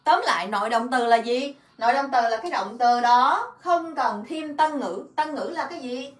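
Lady korean teacher, highish voice, keeps repeating example words, roomy echo. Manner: explains in Vietnamese, repeats Korean words and example sentences in quick bursts; refers to herself by her own name and as teacher. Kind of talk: casual online grammar lesson.

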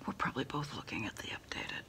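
A middle-aged woman doing a soft, unhurried ASMR roleplay as a takeout order taker on the phone, hesitating and trailing off often. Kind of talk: whispered ASMR roleplay, one-sided phone conversation.

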